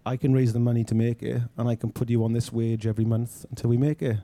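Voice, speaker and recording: A man's voice: medium pitch, level tone, fast talker, dark tone, no room sound. A man from Wales telling anecdotes as an interview guest. He laughs often and acts out the things people said to him. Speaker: film director guest. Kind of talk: anecdotal storytelling.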